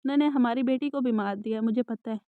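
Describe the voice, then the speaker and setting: Woman reading as a distraught poor mother, lamenting, high voice, phone-like sound. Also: dry recording, natural voice. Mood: despairing. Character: poor worried middle-aged mother, despairing. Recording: dry, tinny phone-like sound.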